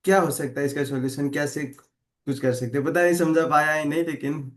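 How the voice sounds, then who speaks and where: A man's voice: fairly high pitch, steady tone, a little fast. Hesitant young man sharing his worries. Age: 20s. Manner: hesitant, searching for words. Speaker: participant sharing a problem. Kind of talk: casual personal sharing.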